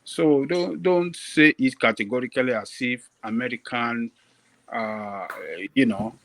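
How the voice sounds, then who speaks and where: A man making a point in a group debate, speaking haltingly with many fillers. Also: mid-range voice, dry recording. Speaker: panelist.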